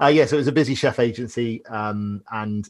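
Speaking at a medium pitch, this man has a British accent. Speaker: laughter yoga leader. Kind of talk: casual interview chat. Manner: animated, laughing often.

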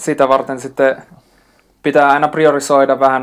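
The speaker is a man. His pitch is medium. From Spain. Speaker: mountaineer and hiker. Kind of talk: casual interview. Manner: halting.

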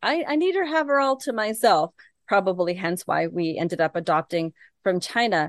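A woman in a Boston accent at a medium pitch with very wide pitch swings, the sound dry and close with no echo against a quiet background. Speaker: author and podcaster. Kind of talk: podcast interview.

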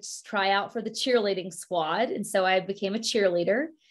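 Using an unremarkable speaking voice, a woman speaks at a medium pitch and a moderate pace with ordinary pitch variation. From US South, southwest central Virginia. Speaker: fitness studio owner and coach. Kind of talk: casual interview chat. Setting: home podcast studio, remote call.

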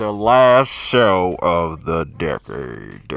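A man's put-on character voice, very deep and low in pitch, at a very slow pace. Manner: dramatic trailer delivery.

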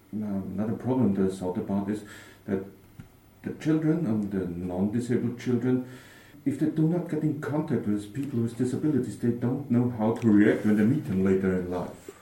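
The tone is dark and mellow, somewhat breathy. Pitch varies in an ordinary way at a moderate pace. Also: man, medium pitch for a man. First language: German. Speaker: interviewer. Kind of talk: interview.

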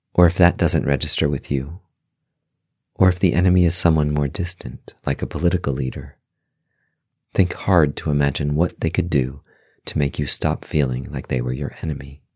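This man's pitch is very deep and low, with vocal fry and fairly even intonation. He keeps a moderate pace broken by long, frequent pauses. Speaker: podcast host and meditation teacher.

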